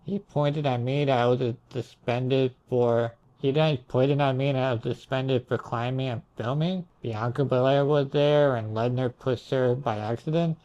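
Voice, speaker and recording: A man's voice: medium pitch, fairly even intonation, a little slow, hardly any pauses, warm tone, dull audio. A young man telling his dreams in a casual, rambling way, hazy and puzzled as he trails off into asides. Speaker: storyteller recounting own dreams.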